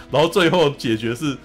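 A man hosting a casual anime review chat, retelling scenes in an animated way, often laughing and checking in with "you know?". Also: a little high. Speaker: host.

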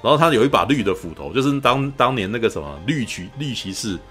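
A man hosting a podcast, retelling a film in animated casual chat and often asking his listeners whether they follow. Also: medium pitch, quick pace, soft background music. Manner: animated storyteller, keeps asking "you know?". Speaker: podcast host.

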